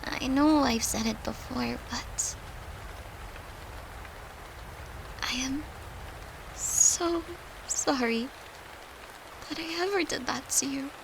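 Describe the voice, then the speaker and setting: Woman playing a girlfriend and occult summoner, fairly high voice, slight creak, soft earnest confiding manner, intimate roleplay, comforting. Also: slow pace, long pauses, background noise, heavily acted. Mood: remorseful, hushed. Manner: soft, earnest, confiding, with sighs and breathy laughs. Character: tender human girlfriend, an occult summoner comforting her demon lover. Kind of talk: intimate audio roleplay addressed to the listener.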